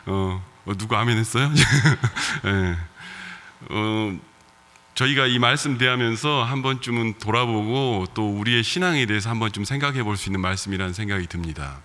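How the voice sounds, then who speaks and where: A male pastor with a bright, forceful voice and a regional Korean dialect accent preaches to his congregation in a relaxed, conversational way, dropping in soft laughs and fillers. His voice rings out with the long reverb of a church sanctuary. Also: lowish voice, normal speed. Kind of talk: sermon.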